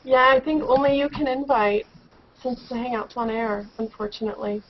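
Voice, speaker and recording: High-voiced woman on a dull video call. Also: moderate pace, a little hiss or hum. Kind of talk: casual chat in a video call.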